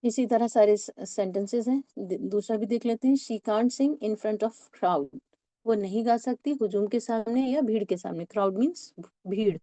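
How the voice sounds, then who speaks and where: A woman teaching a spoken English lesson, patiently explaining and reading example sentences slowly, word by word. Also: mid-range voice, mellow, dry recording.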